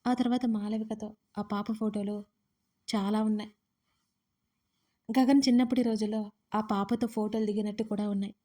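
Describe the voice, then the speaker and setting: Mellow woman narrating a dramatic audio story. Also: mid-range voice, little pitch movement, moderate pace, long pauses.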